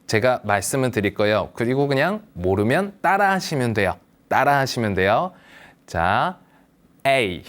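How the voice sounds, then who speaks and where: A man's voice: medium pitch, big pitch swings, normal speed, fairly bright tone. A man teaching English pronunciation to older learners, patiently modelling words for the viewer to repeat and reassuring them. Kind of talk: slow, patient language lesson for seniors.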